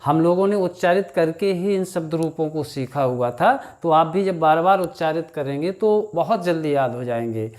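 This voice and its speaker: A man teaching a grammar lesson, reciting word forms in a slow chant and talking to his students as children. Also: a little high, darkish tone. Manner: addresses students as children, frequent "thik".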